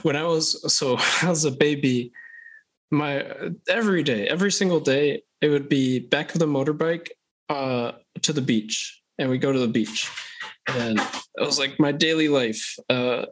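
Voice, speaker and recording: A young man from Thailand, a podcast guest, talking in a slow, hesitant, thoughtful way with many restarts. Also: fairly high pitch, a bit bright. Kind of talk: casual interview chat.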